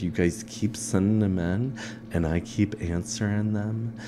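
Noticeable background noise behind a man talking. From Indiana. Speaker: podcast host. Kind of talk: casual interview chat.

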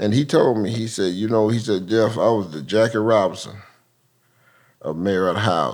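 A man with a fairly low voice at a moderate pace, with ordinary pitch variation, long, frequent pauses and audible room echo. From Marietta, Georgia (US South). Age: 50s. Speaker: moving company owner. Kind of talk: casual chat.

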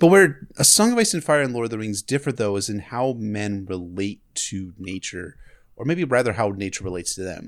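A man with a plain, everyday voice, fairly low in pitch, with lively intonation and big swings in loudness, over a quiet background. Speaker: podcast host. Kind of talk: casual book discussion.

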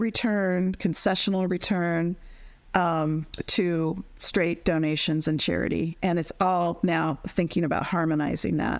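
A woman's plain, everyday voice, fairly low in pitch, with an American accent, fairly even intonation, and a moderate pace, in a very clean recording with a silent background. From Colorado. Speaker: impact investor. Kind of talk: interview.

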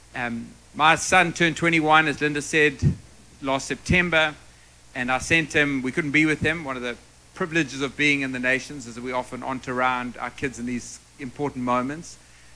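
Here a man speaks with a South African accent. His tone is bright and sharp, his pitch fairly high, and his intonation fairly even. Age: 50s. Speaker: preacher. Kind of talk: sermon. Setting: church. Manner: fast talker.

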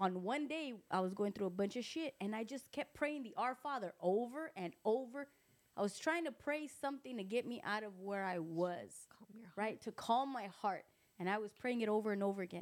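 A woman with an American accent speaks in a plain, everyday voice at a moderate pace. Her pitch is fairly high, with lively intonation. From US-Mexico border. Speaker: podcast co-host. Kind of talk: casual chat. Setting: studio, livestreamed on video.

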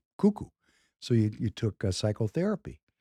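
With a dark, mellow tone and fairly low pitch, a somewhat breathy man speaks at a moderate pace in a dry, close sound with no echo on a very clean recording with a silent background. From Ukraine. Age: 60s. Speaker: podcast host. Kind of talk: casual chat. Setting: studio.

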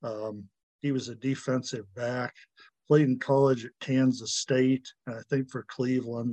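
At a moderate pace, a man with a plain, everyday voice speaks at a medium pitch. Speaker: collector guest. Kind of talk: casual chat.

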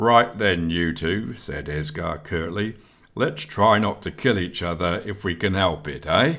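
A put-on, growling character voice moves at a fairly slow pace with lively intonation over a very clean recording with a silent background. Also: man, very deep, low pitch for a man. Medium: read story. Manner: growling, curt.

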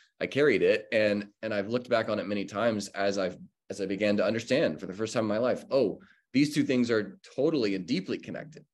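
Speaking at a fairly quick pace with lively intonation, a man with a medium pitch and an American accent has a plain, everyday voice. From South Texas. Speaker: theology lecturer. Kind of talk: interview conversation.

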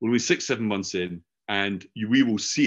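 With a Scottish accent, a man talks in a lively intonation. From Scotland, Edinburgh. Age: 60s. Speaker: education technology expert. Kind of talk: interview conversation. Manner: animated.

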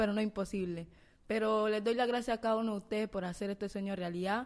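In a normal speaking voice, a woman talks with fairly even intonation and a fairly high pitch over a very clean recording with a silent background. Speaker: youth football player. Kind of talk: interview. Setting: video recorded on location in Doha.

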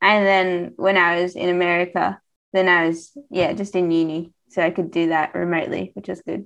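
A woman with an Australian accent and a fairly low, monotone, flat voice at a moderate pace, against a quiet background. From Australia, Melbourne. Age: 20s. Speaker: professional cyclist. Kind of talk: interview.

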